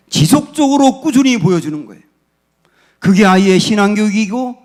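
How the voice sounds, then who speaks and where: Male pastor, slightly high voice, earnest sermon delivery, shifts from hushed storytelling to fervent preaching. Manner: earnest preaching that rises to fervent peaks and drops to quiet storytelling. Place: church sanctuary.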